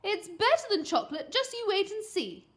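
A woman acts out a doting storybook mum who is eager to please. Her voice is high and bright, lilting up and down in animated, coaxing exclamations. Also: moderate pace, heavily acted. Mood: excited. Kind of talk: children's storybook character voice.

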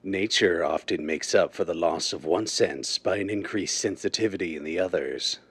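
An actor playing a blind, cold criminal mastermind in a deliberate, commanding, theatrical 1930s radio drama style. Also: male voice, low voice, a bit bright, breathy edge, exaggerated voice. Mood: controlled, menacing. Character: blind, cold, menacing male crime mastermind called the Owl. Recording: noisy vintage-style radio drama recording.

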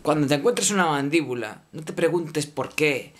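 A man's voice: fairly high pitch, normal speed. Rambling mock-earnest Spanish man. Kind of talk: satirical comic monologue.

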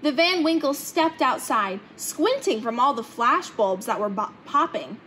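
A young woman reading a children's picture book aloud in an expressive storytelling way. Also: sits high, unhurried, slight background noise. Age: young adult. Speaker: storybook reader. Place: indoor hangar-like museum room, seated in open cockpit.

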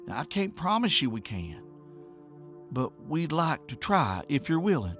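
A man voicing a kind countrywoman who speaks softly and gently to a frightened child. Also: fairly high pitch, big pitch swings, normal speed, faint music behind. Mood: gentle, reassuring. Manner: soft, gentle, reassuring. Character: gentle kindly Appalachian countrywoman, middle-aged.

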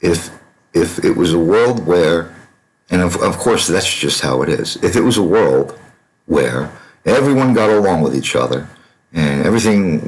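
A middle-aged man with a very low, deep voice drifts through a software tutorial aside, circling back on his own phrases and stumbling over restarts. He talks into a webcam at his desk, with a faint hum of room noise underneath. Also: vocal fry, rough recording. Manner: digressive, repeats phrases, many restarts and fillers. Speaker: design software instructor. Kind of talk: rambling screen-share tutorial aside.

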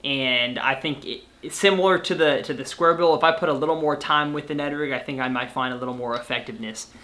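A man's voice: mid-range voice, fast talker, sharp tone. A young adult man hosting a casual, playful debate over a video call from a room at home. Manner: easygoing, playful, wraps up the show. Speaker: host. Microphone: webcam on a video call.

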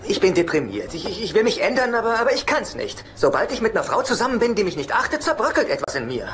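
Whiny, animated sitcom loser. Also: male voice, sits high, fast, crowd noise. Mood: dejected, anxious. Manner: hesitant, whiny, anxious. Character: neurotic, insecure, self-pitying younger man, meek brother. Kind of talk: German sitcom dubbing. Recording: TV soundtrack with clear background noise.

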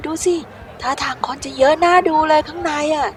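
A woman dubbing a curious, cheeky rebellious teenage girl in a game, with lively casual exclamations. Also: high voice, moderate pace, a little hiss or hum, natural voice.

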